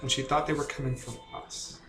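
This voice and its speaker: A man's voice: mid-range voice, level tone, a little fast. A man asking questions in character as a player in a tabletop role-playing game. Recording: echoey room, background voices.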